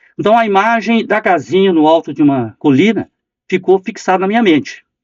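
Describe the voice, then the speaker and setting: A dry, close sound with no echo carries speech delivered at a fairly quick pace. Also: man. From Brazil, Campinas (São Paulo state). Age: 70s. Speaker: professor. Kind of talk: interview, reminiscing. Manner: hesitant, with fillers.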